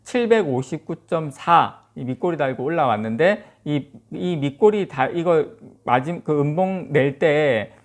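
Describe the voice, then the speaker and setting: Male stock channel host, very expressive pitch, chatty explainer with plenty of filler. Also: measured pace, few pauses. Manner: animated explainer, counts points off, heavy fillers. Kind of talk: casual market commentary to viewers.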